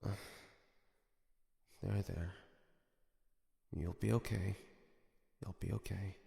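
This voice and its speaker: A man playing a gruff but gentle hunter in an audio roleplay, speaking in a hushed, measured, kindly way. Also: sits low, fairly even intonation, full character voice. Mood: soft, consoling. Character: gruff, gentle older hunter comforting an orphaned boy. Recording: roomy with long reverb.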